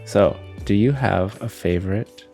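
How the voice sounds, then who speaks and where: A man's voice: fairly low pitch, measured pace, gravelly, warm tone, soft background music. A young man co-hosting a podcast, chatting casually and laughing at himself often. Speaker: podcast co-host. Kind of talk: casual chat.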